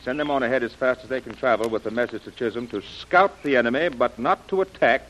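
Brisk male expedition commander, played by an actor, crisp and commanding, over a faint hiss. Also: medium pitch, a bit bright, muffled recording, close to an everyday voice. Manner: crisp, commanding, giving orders. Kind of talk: 1930s radio drama acting.

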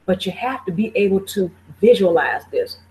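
A woman's voice: mid-range voice, big pitch swings, normal speed, a little mellow, rough recording. A woman speaking to listeners in a conversational motivational talk, encouraging and repeating phrases, often laughing.

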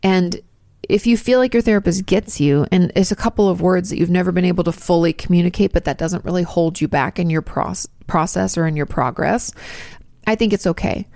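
A woman's voice: lowish voice, a little fast, gravelly, a little mellow, dry recording. A woman in her thirties hosting her channel, answering viewer questions in a chatty, rambling way with asides and restarts. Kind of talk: casual advice talk.

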